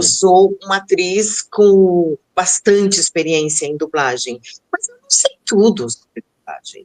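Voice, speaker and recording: A medium pitch from a woman speaking at a fairly slow pace. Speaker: voice actor. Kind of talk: podcast interview answer.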